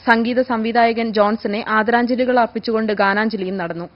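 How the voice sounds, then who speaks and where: A woman narrates the news from a script. Her voice sits a little high, and her reading is formal and measured. The audio is somewhat muffled and lo-fi. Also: steady tone. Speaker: news reader. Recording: dull, lo-fi broadcast audio.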